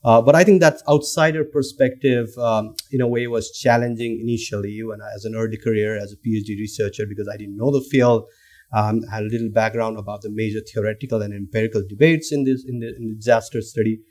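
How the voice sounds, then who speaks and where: Casting: male academic guest from Nepal, lowish warm voice, halting and reflective. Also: fairly even intonation. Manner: thoughtful, hesitant with many fillers and restarts. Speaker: guest lecturer and researcher. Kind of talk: academic conversation.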